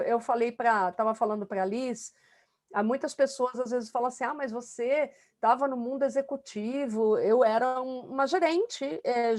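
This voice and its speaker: A woman's voice: a little high, a little mellow. A middle-aged woman talking in a casual interview, emphatic and talkative, with many fillers. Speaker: student being coached.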